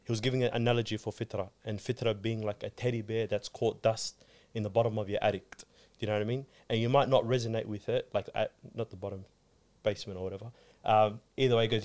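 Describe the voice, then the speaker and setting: Male guest in a relaxed chat, rattles off a story, low monotone, peppered with "you know what I mean". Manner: rapid, flat delivery with frequent "you know what I mean". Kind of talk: casual chat.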